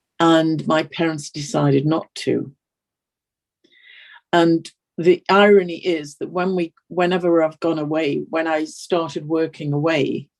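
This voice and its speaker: With a slight northern English accent, a woman speaks at a fairly low pitch and a fairly slow pace, keeping her intonation fairly even. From northern England. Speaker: interview guest. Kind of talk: personal conversation.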